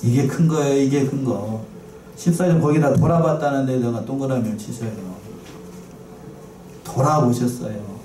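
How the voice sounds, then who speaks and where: This church sermon comes from a male pastor speaking fairly quickly in a mid-range voice. He keeps asking the congregation questions and returning to key phrases; the sound is distant and roomy with faint background noise.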